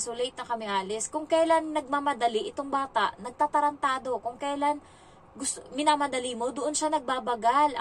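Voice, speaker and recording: A woman's voice: fairly high pitch, recorded from a distance, a little hiss or hum, low-quality recording. A young woman from the Philippines, a domestic helper, chatting casually in a vlog and retelling her day with lots of fillers.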